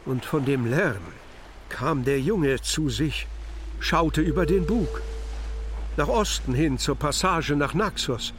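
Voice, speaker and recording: An actor playing an earnest seafarer telling his tale deliberately in a radio play of epic verse. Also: fairly high pitch, slight background noise. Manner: deliberate storytelling.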